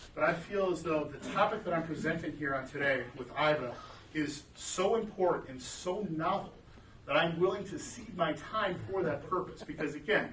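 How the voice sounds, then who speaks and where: High-pitched man heard with audible room echo and noticeable background noise. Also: ordinary pitch variation, moderate pace. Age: 40s. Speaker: estate planning attorney. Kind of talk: seminar presentation.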